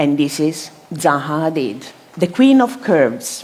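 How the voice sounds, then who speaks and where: A woman with an Italian accent speaks with very wide pitch swings. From Italy. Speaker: architect. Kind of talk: conference talk. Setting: stage with audience.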